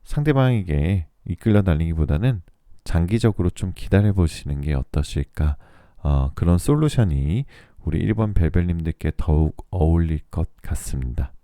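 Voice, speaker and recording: A man reading tarot for listeners in a soothing, polite, measured radio-like style, his voice still recovering from a throat cold. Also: low voice, expressive, mellow, no echo, studio quality. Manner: soothing, polite, measured delivery meant to lull listeners to sleep. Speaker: tarot reader and channel host.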